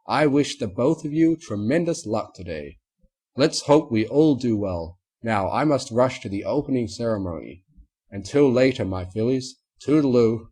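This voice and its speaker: Guy doing a grandiose stallion showman, gushy and over the top, kinda husky. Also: medium pitch, expressive, moderate pace, dark tone. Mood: brisk. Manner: flamboyant, gushing. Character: grandiose pompous stallion show organizer.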